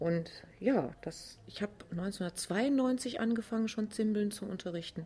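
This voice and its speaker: A woman speaks at a fairly slow pace and medium pitch, her somewhat breathy voice dark and mellow in tone, with ordinary pitch variation. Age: 50s. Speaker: belly dance teacher and dance studio owner. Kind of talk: interview.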